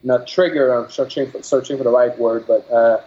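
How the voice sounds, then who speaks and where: A man from Quebec whose first language is French, speaking English with a Québécois accent as an interview guest, pausing often to find his words. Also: mid-range voice, steady tone, dark tone. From Quebec, Canada. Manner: halting, many fillers and restarts while searching for words. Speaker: game developer guest. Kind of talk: casual interview. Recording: dull lo-fi audio.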